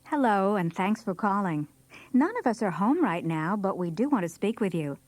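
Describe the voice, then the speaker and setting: A woman's voice: mid-range voice, big pitch swings, normal speed, darkish tone. A woman delivering scripted answering machine greetings in a performed way.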